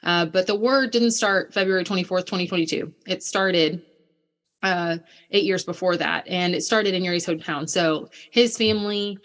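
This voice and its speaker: Guest, woman, 30s, from Alabama; earnest, detailed storyteller, lower pitch. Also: moderate pace, fairly bright tone. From Alabama, USA. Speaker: missionary guest. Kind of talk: conversational storytelling.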